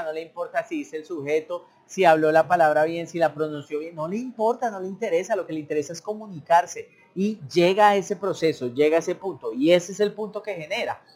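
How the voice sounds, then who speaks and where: A man's voice: fairly high pitch, a little mellow. A man giving a casual, repetitive language lesson, sometimes acting out beginners' broken speech. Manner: conversational, repetitive, acts out learners' broken speech. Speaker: English teacher. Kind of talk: informal teaching monologue.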